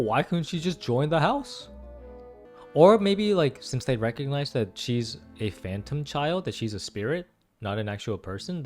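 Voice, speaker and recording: A young man giving casual, slangy gaming commentary with lots of exclamations. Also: mid-range voice. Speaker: game streamer reacting to a story quest.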